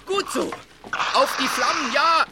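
A woman's voice: sits high, unhurried. An actress in a German audio drama playing a frantic woman who urgently commands a fire rescue. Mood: urgent, alarmed. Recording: loud noise of fire extinguisher effect.

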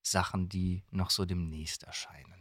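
A man's voice: sits low, fairly even intonation, normal speed, fairly bright tone, no echo, studio quality. A man, a voice actor chatting casually as an interview guest. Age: 30s. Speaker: guest, voice actor for dubbing and audio dramas.

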